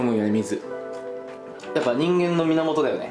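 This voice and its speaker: A man is speaking. Music plays clearly behind him. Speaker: vlogger. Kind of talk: casual vlog chat. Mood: relaxed, playful. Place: home room.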